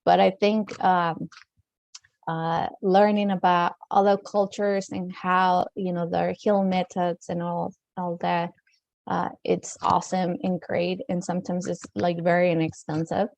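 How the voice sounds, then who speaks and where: A woman from Mexico with a Latino accent, talking casually as an interview guest in a halting, circling way with many filler phrases. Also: on the low side, little pitch movement, creaky, darkish tone, dry recording, lo-fi sound. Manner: halting, circling phrasing with frequent "like" and "you know". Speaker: podcast guest, dancer and author.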